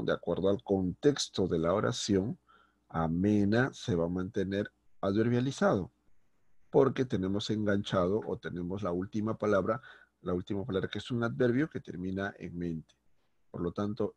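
A male secondary school teacher giving a recorded grammar lesson, explaining step by step and checking in often with quick tag questions. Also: low voice, gravelly, darkish tone, no echo.

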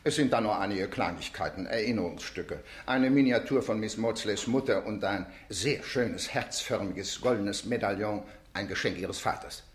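An actor playing a jeweller as expert witness in a German radio play, formal and precise. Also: male voice, fairly low pitch, normal speed, few pauses, close to an everyday voice. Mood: precise, assured.

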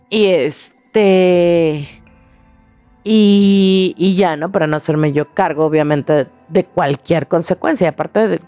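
Her voice sits lowish with a darkish tone, and there's no room sound at all. This Mexican-accented radio host speaks in a chatty, informal way, addressing listeners directly as she recounts a lengthy story from her own life.

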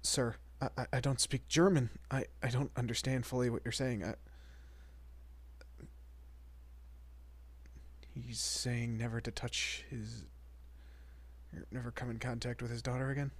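A man playing a shy, nervous young vampire father in a romantic audio roleplay, stammering and soft-spoken, often dropping to a near-whisper. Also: medium pitch, little pitch movement, normal speed, natural voice. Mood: flustered.

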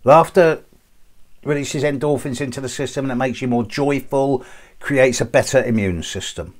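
A man's voice: mid-range voice, fairly quick. A middle-aged man, an astrologer, chatting casually to his viewers and telling jokes with relish. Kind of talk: casual chat to camera.

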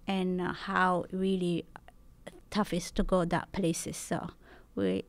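Flat-toned woman in a panel talk. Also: lowish voice, no echo. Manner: halting second-language English. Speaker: panel presenter, graduate student. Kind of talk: panel presentation.

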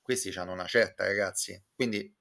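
Gravelly man, talking intellectually. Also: low voice, fairly even intonation, pushed and bright. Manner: intellectual, discursive, halting with repeated self-corrections. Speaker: guest commentator. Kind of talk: casual opinionated discussion, recounting a concert. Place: small room with bookshelves, at home. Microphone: computer mic on a video call.

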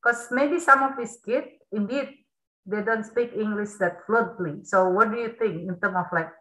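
A woman's voice: medium pitch, normal speed, a bit bright, echoey room, low-quality recording. A woman, hosting a webinar for kids and explaining things in a friendly way. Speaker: workshop host. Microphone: video call.

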